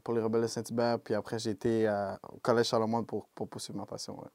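A young man speaks with a Québécois French accent, easygoing and unhurried, sprinkling English slang through his answers. His voice is mellow and warm. The recording is close and dry. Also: lowish voice, flat delivery, no room sound. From Quebec, Canada. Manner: laid-back, peppered with English slang like "yo" and "bro". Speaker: rapper, interview guest. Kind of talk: casual interview talk.

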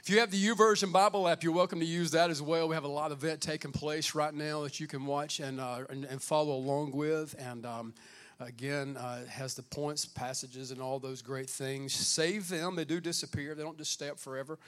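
A man's voice: a little high, fairly even intonation, fairly quick, a bit bright. A man preaching informally as a pastor, conversational, repeating phrases and asking the congregation for amens. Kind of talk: informal sermon with welcome and Bible reading.

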